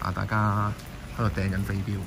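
Walking rainy streets at night, this live-streamer speaks a little fast in a lowish, gravelly voice with a Hong Kong Cantonese accent. He's chatty with both viewers and passers-by, filming on a handheld phone as rain falls steadily and cars go by.

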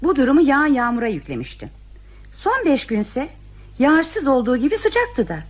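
Old radio play: teasing, motherly nurse, high voice with a lively melody. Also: moderate pace. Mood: explaining. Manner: firm and affectionate, fond of teasing. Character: teasing, motherly hospital nurse, adult woman. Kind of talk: old radio drama acting.

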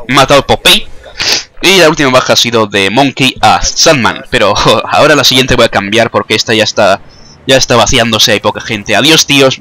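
Chatty and joking, a young gaming commentator from Spain mocks his own play as he goes. His mid-range voice sounds pushed and bright.

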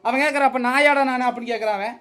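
A man locked in a domestic argument with his wife. He argues defensively, swears, and at times raises his voice to a shout. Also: very high-pitched, steady tone, rapid-fire. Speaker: husband.

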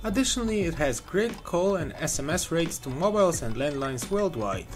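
A man's voice: on the high side, sing-song, moderate pace. A young man narrating a scripted, upbeat walkthrough of phone apps as the channel's reviewer. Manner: upbeat, clear product walkthrough. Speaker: app reviewer.

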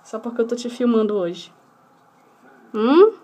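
A woman's voice: a little high, expressive, unhurried, dark tone, distant mic, slight background noise. A woman, chatting casually in a home vlog and doting on her pet in baby talk while she bathes it. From Brazil. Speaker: pet owner vlogger. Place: indoors at home, bathing a pet.

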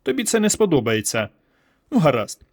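Man doing a teasing alien seductress, pitched well up, playful and coy. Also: wildly swooping pitch, a little fast, a little mellow. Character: flirty alien woman intruder in a mind.

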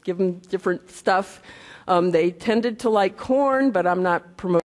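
A woman's voice: on the low side, moderate pace, a little mellow. A woman giving a conversational conference lecture, with many restarts and asides. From United States. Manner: conversational, frequent okay and restarts. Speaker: conference speaker, entomologist. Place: conference hall. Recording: reverberant hall.

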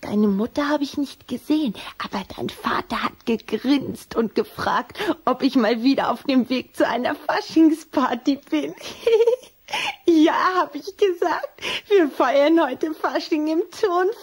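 A bold little vampire girl in a children's audio drama. The voice is high and girlish, eager and full of affection. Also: unhurried. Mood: proud, coaxing.

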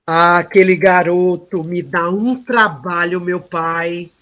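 A woman's voice: on the low side, fairly even intonation, slow pace. A woman playing an emotional, pleading Trojan king in an audio drama. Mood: weary, reflective. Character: Aeneas, anguished heroic Trojan king, adult man. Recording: loud background music.

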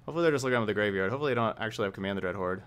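Fast-talking man with a lowish voice. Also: fairly bright tone, clean tone. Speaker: streamer. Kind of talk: casual game commentary.

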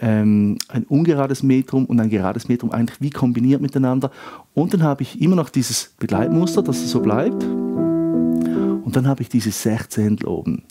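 A man teaching piano in a relaxed, casual tutorial, counting rhythms out loud. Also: mid-range voice.

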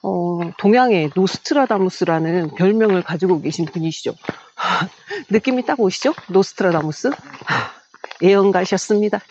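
A woman's voice: mid-range voice, lively intonation, measured pace, dull audio, slight background noise. A woman vlogger casually explaining a historic site on a cycling trip, chatty, with frequent laughs and fillers. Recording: loud background music.

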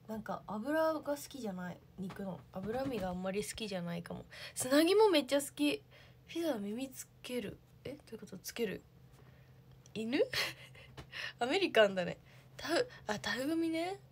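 A young woman chatting on a livestream, her higher voice bouncing lively up and down. Her tone is a little husky and breathy, and she chats freely with plenty of fillers. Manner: chatty, thinks aloud with fillers, bubbly. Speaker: idol livestreamer. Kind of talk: casual livestream chat reading viewer comments.

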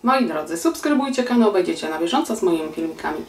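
A woman in her forties hosting a cooking channel, calmly explaining a recipe step by step and politely addressing her viewers from a home kitchen. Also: fairly low pitch, fast talker. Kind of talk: recipe instructions. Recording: roomy kitchen echo, voice a bit distant.

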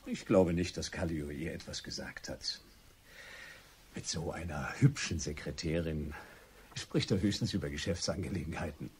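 An actor playing a jovial, chatty crime writer in a German radio play, with a raspy voice and theatrical banter. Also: male voice, very deep voice, moderate pace, darkish tone, slight background noise. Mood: wry, narrating.

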